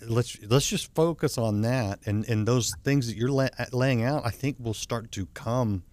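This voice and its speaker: A man's voice: medium pitch, a little slow, darkish tone. A man hosting a talk show interview, easygoing and chatty, often restarting his sentences.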